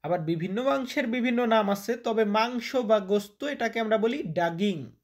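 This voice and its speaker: This high, animated male voice belongs to a language teacher from Bangladesh. Speaking at normal speed, he goes through vocabulary, repeating every word and quizzing whoever is listening.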